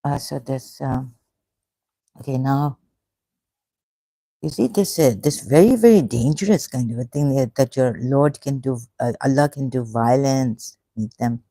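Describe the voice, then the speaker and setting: A speaker talks alone on a livestream, halting and emotional, often breaking off mid-phrase. The voice is gravelly and mellow in tone, and the recording is dry and close. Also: mid-range voice, dry recording, low-quality recording. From Pakistan, grew up in Karachi. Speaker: online religion commentator. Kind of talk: rambling solo livestream talk.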